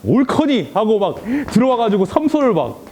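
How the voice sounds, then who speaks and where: Man pastor, kids' sermon, very lively storytelling, slightly high voice. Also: moderate pace, slight background noise. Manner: animated storytelling, addresses children. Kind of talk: children's sermon.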